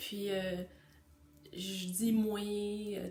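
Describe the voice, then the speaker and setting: Music plays in the background and room echo is audible as a woman speaks with an Abitibi Quebec accent. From Quebec, Abitibi. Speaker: voice and sound healing guide. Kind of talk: spiritual workshop introduction. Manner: hesitant, stumbling.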